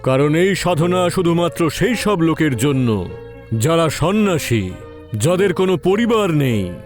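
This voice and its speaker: Casting: male narrator as solemn tantric holy man, slow and ominous, fairly high male voice, horror tale with music. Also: big pitch swings. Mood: grave, warning. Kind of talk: horror audio storytelling.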